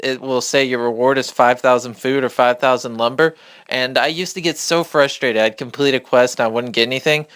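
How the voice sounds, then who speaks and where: A man giving a casual, off-the-cuff game tutorial, speaking quietly but clearly, close to a phone mic. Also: mid-range voice, no room sound. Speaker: gamer hosting a beginner's tutorial. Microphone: phone held a couple of inches from the mouth.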